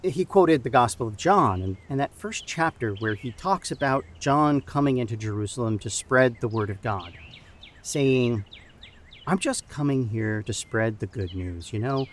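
An actor playing an earnest, encouraging church camp youth leader who haltingly repeats and restarts his phrases in an audio drama. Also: medium pitch, animated, lightly acted. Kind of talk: improvised-sounding audio drama dialogue. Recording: outdoor background noise with birdsong.

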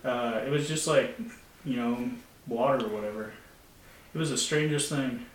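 A man's voice: mid-range voice, normal speed, far from the mic. A man telling stories in a loose, laughing way, swearing freely as a podcast co-host. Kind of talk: casual storytelling chat. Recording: echoey room, off-mic, faint noise.

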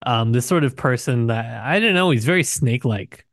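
A man's voice: medium pitch, expressive, normal speed, a bit bright, no room sound, studio quality. A man co-hosting a casual book discussion, speaking informally and hesitantly with asides. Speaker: podcast co-host.

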